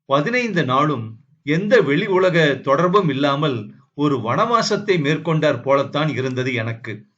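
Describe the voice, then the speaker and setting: A man reading a novel aloud in the first person, measured and solemn. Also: a little high, animated, a bit bright, lo-fi sound. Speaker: audiobook narrator.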